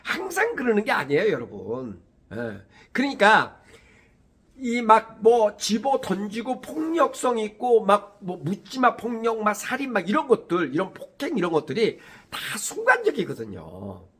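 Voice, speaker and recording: A man's voice: sits high, moderate pace, husky. A middle-aged man hosting a morning broadcast, talking animatedly and acting out quoted voices. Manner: animated, acts out quoted voices, frequent "예" fillers. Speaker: host.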